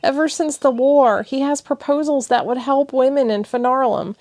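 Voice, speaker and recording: A tearful young woman, put on by a female reader who breaks into high, breathless pleas between sniffles. The voice stays dry and close, with a gravelly edge underneath. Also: expressive, takes it slowly, a little mellow, dry recording, exaggerated voice. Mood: upset pleading. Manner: high, pleading, breathless outbursts. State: crying, sniffling. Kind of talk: audiobook character voice.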